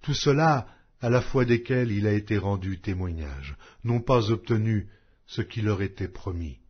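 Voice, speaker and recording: Male scripture narrator, deep-leaning and rough-edged voice, solemn measured delivery, slightly dull recording. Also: animated. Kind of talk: scripted Bible reading.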